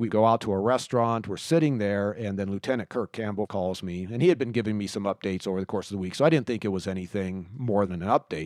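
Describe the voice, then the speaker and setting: This man has a fairly low voice and an American accent, talking very fast with hardly any pauses. The sound is dry and close with no echo, over a quiet background. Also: ordinary pitch variation. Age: 50s. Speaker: retired cold case investigator. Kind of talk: interview.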